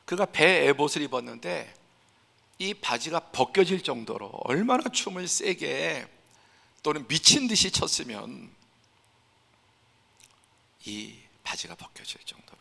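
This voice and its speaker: Male pastor, gravelly tone, preaching with emphatic build-ups, long church-hall reverb. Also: fairly high pitch, sing-song, unhurried, pauses often. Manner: emphatic, building to forceful peaks; acts out scenes in a hushed voice. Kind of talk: Sunday sermon. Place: church sanctuary.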